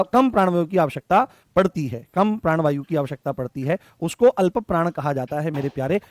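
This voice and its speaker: A man's voice: high-pitched, a little mellow, no echo, clean studio sound. A man teaching a Hindi grammar lesson, repeating key phrases and quizzing his students with fond nicknames. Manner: affectionate terms for students. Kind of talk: online exam-prep lesson.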